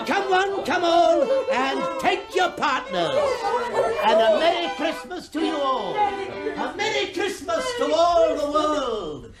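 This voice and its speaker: An actor playing a jovial, boisterous old merchant host, chuckling and exuberant in a period radio drama. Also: male voice, heavily acted. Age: older. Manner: booming, chuckling, merrymaking. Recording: lively crowd of revellers behind. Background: party crowd.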